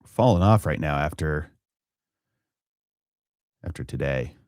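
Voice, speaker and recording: A man with a very deep voice hosts a live finance stream, thinking aloud with frequent fillers and restarts. The sound is dry and close, with no room around it. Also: animated, darkish tone, dry recording. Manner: halting, many fillers and restarts. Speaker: finance channel host. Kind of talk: live-stream market commentary.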